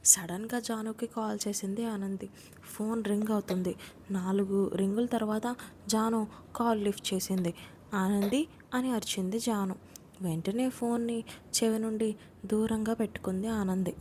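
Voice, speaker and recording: A woman's voice: medium pitch, steady tone, normal speed, warm tone, a little hiss or hum. A woman narrating an audiobook love story, reading every character's lines in her own voice with light acting.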